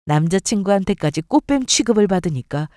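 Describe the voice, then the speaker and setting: A woman narrating a first-person drama story in an expressive, scripted style. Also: medium pitch, fairly quick, no echo, studio quality.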